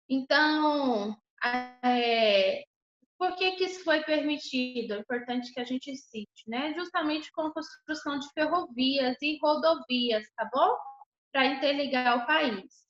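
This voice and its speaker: Woman teacher, high-pitched, online class from home, slightly dull, roomy sound. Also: pushed and bright. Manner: ends phrases with checking tags. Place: home room. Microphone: computer on video call.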